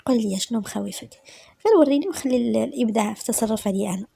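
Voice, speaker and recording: A woman with a Moroccan accent voicing a confident, assertive man, in a soft, half-whispered delivery. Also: fairly high pitch, racing, gravelly, breathy edge, no echo. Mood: persuasive.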